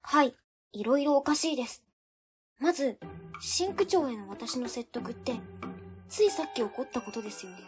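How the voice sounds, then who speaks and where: A woman's voice: high voice, lively intonation, moderate pace, pauses often, soft background music. An actress playing a polite, methodical young female civil servant in an amateur web radio drama. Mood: insistent.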